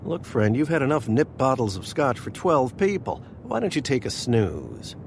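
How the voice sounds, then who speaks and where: An actor playing a nervous, deadpan presidential aide who tells his story with dry quips in a comic radio play. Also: mid-range voice, normal speed, gravelly, a little hiss or hum.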